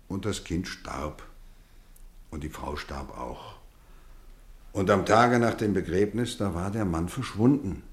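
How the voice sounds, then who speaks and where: An actor playing a kindly, playfully stern middle-aged housemaster in a German radio play, measured and theatrical. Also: male voice, low-pitched, roomy sound. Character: kindly, playfully stern boarding school housemaster, grown man.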